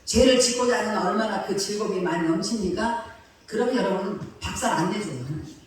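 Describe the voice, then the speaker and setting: A woman's voice: mid-range voice, quick pace. A woman pastor preaches with punchy emphasis and lots of rhetorical questions. Her voice carries through a very echoey church hall from some distance, with faint noise underneath. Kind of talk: sermon. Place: church sanctuary.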